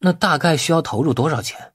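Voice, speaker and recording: A man's voice: on the high side, brisk, fairly bright tone, husky, no room sound, clean studio sound, pitched above the performer's own voice. A man narrating an audiobook voices a cautious, shrewd company boss who speaks in a tentative, probing way. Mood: feigned interest. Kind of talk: audiobook dialogue.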